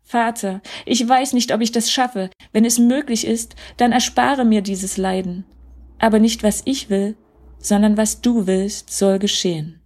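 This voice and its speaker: Jesus speaks as a grown man, gentle and heavy with sorrow, read by a woman narrator. His words come softly and earnestly, slow and unhurried. The voice is breathy and a little husky. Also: on the high side, fairly even intonation. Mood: pleading.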